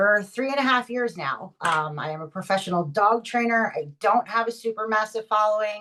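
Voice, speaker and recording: With ordinary variation in her medium-pitched voice, a woman talks. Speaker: dog trainer and product promoter. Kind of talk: testimony. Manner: loud.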